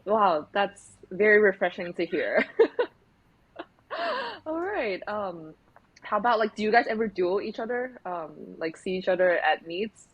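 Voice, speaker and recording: A woman's voice: medium pitch, big pitch swings, measured pace, husky, muffled recording. A woman hosting a casual podcast interview, chatty and giggly, with many fillers. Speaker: podcast host.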